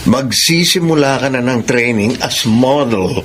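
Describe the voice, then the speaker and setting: An actor playing a flamboyant, bossy gay talent manager in a radio drama, campy, exclaiming and teasing. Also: male voice, medium pitch, measured pace, noisy background, natural voice. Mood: excited, proud. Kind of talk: Tagalog radio drama acting.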